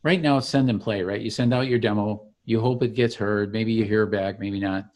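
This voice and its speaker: A man giving an informal software demo as a company founder, explaining each click like a salesman. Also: fairly low pitch, steady tone, normal speed. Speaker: company founder demonstrating his product.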